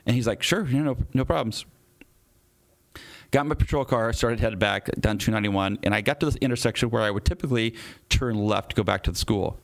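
A police officer telling an earnest personal story in an interview, acting out his own quotes with animated shifts. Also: lowish voice, quick pace.

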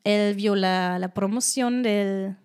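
A young German woman speaks Spanish with a clear German accent, relaxed and conversational as an interview guest. She tells anecdotes and jumps up in pitch when she mimics other people. Her voice sits in a middle register for a woman. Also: takes it slowly. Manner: animated, acts out quoted voices with high pitch jumps. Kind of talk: casual interview storytelling.

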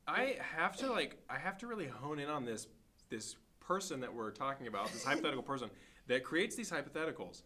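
A man's voice: medium pitch, expressive, fairly quick, sharp tone, slight background noise. A man in his twenties in casual podcast conversation, speaking in a wry, teasing and emphatic way. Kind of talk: casual chat.

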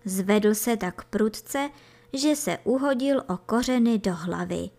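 A woman storyteller reading a children's book aloud in a calm, measured way. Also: mid-range voice, gravelly.

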